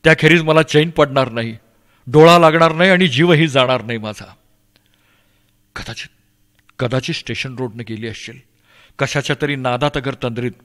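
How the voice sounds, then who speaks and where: A man giving a dramatic first-person story reading, impassioned and anguished, dropping to a hush and then rising loud. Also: medium pitch, normal speed, long pauses. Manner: impassioned, anguished, swings between hushed and loud. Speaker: story reader. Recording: long hall reverb.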